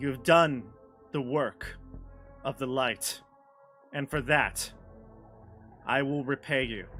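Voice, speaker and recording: Against clear background music, a man performs a put-on character voice at medium pitch and a fairly slow pace. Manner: solemn, divine.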